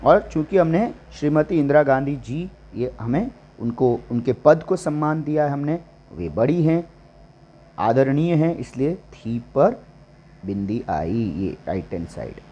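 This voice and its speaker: Slow, lively grammar teacher, man. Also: mid-range voice. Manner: slow and deliberate, listing examples word by word. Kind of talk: classroom-style grammar lesson.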